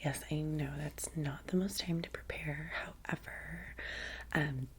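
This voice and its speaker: A woman with a Valley girl American accent softly whispers an ASMR roleplay as a vampire's chatty, soothing personal assistant. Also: low voice, fairly even intonation, unhurried, a little hiss or hum. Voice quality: soft, breathy whisper. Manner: casual, chatty Valley girl phrasing with many "like"s. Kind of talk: ASMR roleplay, soft-spoken personal attention.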